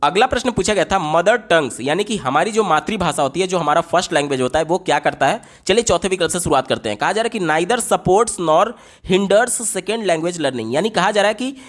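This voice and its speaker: A man, a teacher working through exam questions. He reads the English question text slowly and explains it at length, repeating key points. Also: high voice, animated, a bit bright. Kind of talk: exam-prep lesson explaining answer options.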